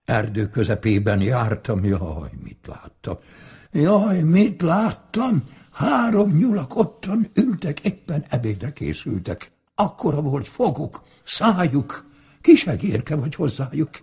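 A man's voice: a little high, very animated, a little mellow, breathy edge, pitched above the performer's own voice, full character voice. A man voicing a scared wolf in a told folk tale, urgent and pleading.

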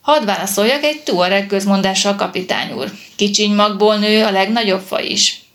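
A woman's voice: mid-range voice, a bit bright, close to an everyday voice. A woman voicing a sly young lieutenant. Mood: wry.

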